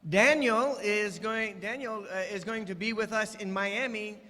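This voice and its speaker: An older man, a visiting church elder, preaching in short phrases and pausing for an interpreter. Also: high voice, sharp tone. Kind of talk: guest sermon with live interpreter. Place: church sanctuary. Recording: church hall reverb.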